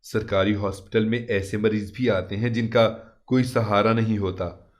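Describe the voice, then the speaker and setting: A man voicing a gentle, pious Muslim cleric who counsels in an earnest, measured, preaching manner. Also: fairly low pitch, steady tone, lightly acted.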